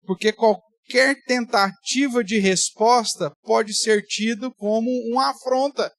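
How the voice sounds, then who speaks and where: A man's voice: extremely high pitch, steady tone, takes it slowly, fairly bright tone, no echo, studio quality. A man, a pastor teaching a Bible study in a conversational way with playful exaggeration. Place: church.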